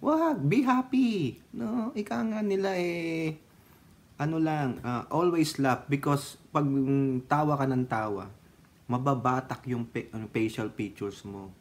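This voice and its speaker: Filipino man, political vlogger, slow drawn-out delivery, slightly high voice, mocking, frequent laughter. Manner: mocking, laughs often, sings snatches of songs. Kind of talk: casual political commentary.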